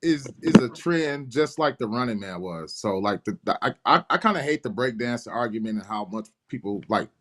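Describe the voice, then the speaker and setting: Forty-something male podcast host, mid-pitched, blunt and argumentative. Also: animated, normal speed, hardly any pauses, fairly bright tone. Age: 40s. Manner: blunt, opinionated, repeats words while arguing. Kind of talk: casual chat.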